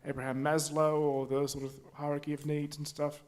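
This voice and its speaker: A man speaking at a community forum, halting with many restarts and fillers. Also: on the high side, monotone. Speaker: forum audience member. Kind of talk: spontaneous public remarks. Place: community hall.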